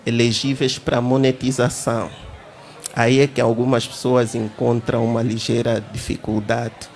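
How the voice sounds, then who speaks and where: A man's voice: mid-range voice, moderate pace, a little hiss or hum. A man in his thirties with an Angolan Portuguese accent, explaining at length on a tech fair panel stage with a handheld microphone. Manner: explanatory, lively, addresses the audience directly. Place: large indoor event stage.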